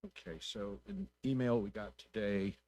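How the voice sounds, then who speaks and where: Low-voiced man questioning at a council meeting. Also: very animated, dark tone. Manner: plainspoken, probing, deliberate. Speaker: city council member.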